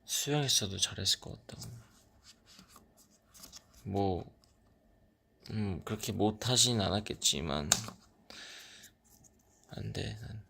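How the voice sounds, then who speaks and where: A young man chatting casually with fans on a livestream, soft-spoken and short on sleep, often dropping into a near whisper. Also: fairly low pitch, expressive, slow pace, gravelly, long pauses, slightly rough. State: sleep-deprived. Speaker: idol on a fan livestream. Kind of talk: casual livestream chat reading fan comments.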